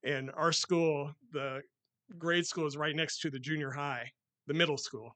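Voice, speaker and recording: Loud, excited man preaching. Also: a little high, measured pace, dry recording. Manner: loud, excited, reads scripture with rising force. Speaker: lay preacher. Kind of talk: sermon with scripture reading. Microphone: handheld or stand mic.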